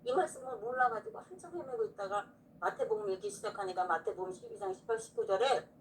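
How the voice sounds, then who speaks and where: A woman's voice: on the high side, big pitch swings, fast talker. A woman pastor telling an earnest, emotional personal testimony in a casual faith conversation. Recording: distant mic with faint background noise.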